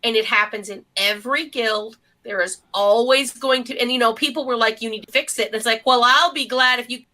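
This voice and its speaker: A woman with a fairly high, bright and forceful voice talks as a podcast co-host. She is conversational and opinionated, making her points with emphasis and reflecting as she goes. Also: brisk. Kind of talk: casual opinionated group discussion.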